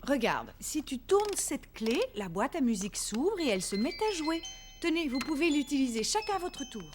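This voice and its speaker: High-voiced, animated cartoon mom. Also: female voice, normal speed. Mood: patient, coaxing. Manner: soothing, coaxing. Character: kind, patient young mother. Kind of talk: French children's cartoon dubbing. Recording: music behind the voice.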